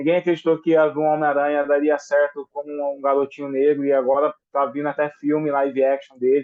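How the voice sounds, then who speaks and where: Speaking fairly quickly with an interior São Paulo accent, a man uses a fairly high pitch and monotone, flat intonation. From Brazil, interior of São Paulo state near Minas Gerais. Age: 30s. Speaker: author. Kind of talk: podcast interview. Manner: casual, slangy.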